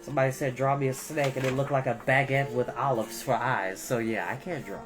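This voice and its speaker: Low-voiced woman reading a storybook. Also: fairly even intonation, a little fast, music in the background. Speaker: storytime reader and host. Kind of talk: expressive read-aloud storybook narration.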